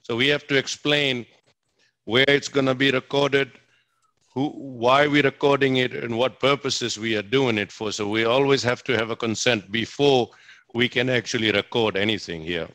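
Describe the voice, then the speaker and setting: Bright, enthusiastic man from Fiji. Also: mid-range voice, steady tone, normal speed, no echo. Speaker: physician answering questions. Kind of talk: spoken question-and-answer at a presentation.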